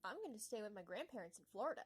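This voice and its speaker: Woman playing a husky, quick-talking schoolkid. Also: medium pitch, animated. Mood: eager chatter. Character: fifth-grade schoolkids chatting about summer plans.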